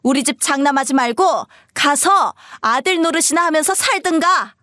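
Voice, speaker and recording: A woman's voice: high voice, lively intonation, moderate pace, pushed and bright, no room sound, clean studio sound, voice pushed up. A woman voicing a bossy, scornful middle-aged mother-in-law who scolds and sneers, for an audio story. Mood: scornful scolding.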